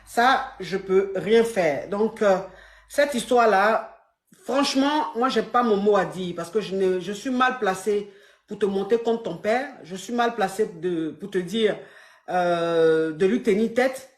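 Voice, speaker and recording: A woman's voice: medium pitch, unhurried. Firm woman advice coach, roomy sound. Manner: firm, repeats herself, calls caller "my dear". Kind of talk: phone-in advice.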